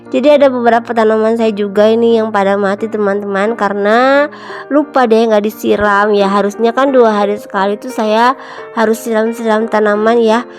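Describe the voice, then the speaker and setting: A woman in her thirties narrating a home cleaning vlog, her voice a little nasal from a cold, chatting warmly to viewers she calls moms and friends. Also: fairly high pitch. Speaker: home vlogger, mother. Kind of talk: casual chatty voice-over narration. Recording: faint music behind voice-over.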